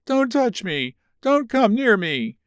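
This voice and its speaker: A man's voice: very high voice, big pitch swings, slow pace, smooth, dry recording, studio quality, pitched above the performer's own voice, exaggerated voice. A man voicing a guilt-stricken young wife who speaks in anguished, pleading tones.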